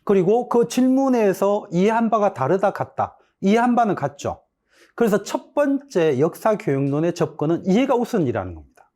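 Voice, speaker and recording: A man's voice: sits high, normal speed. A middle-aged man from Busan with a Gyeongsang accent, giving an exam-prep history lecture and answering his own questions. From Busan, South Korea. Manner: animated, asks the class questions and answers them himself.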